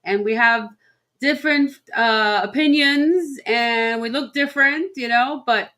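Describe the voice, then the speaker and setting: A woman hosting a casual interview, agreeable and quick to laugh along. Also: a little high, sharp tone. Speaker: interview host.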